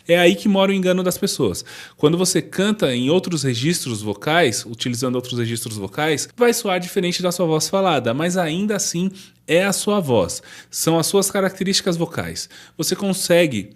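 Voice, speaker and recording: A man teaching voice lessons, explaining vocal registers directly to the viewer. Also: on the high side. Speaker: singing teacher. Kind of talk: vocal lesson with sung demonstrations.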